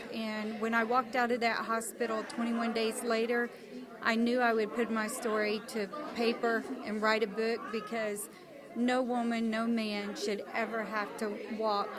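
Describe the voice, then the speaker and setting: Amid crowd noise and audible room echo, a woman with an American accent speaks at a fairly high pitch in a monotone, flat intonation. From US South. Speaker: military veteran and author. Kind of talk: interview testimony. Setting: live event.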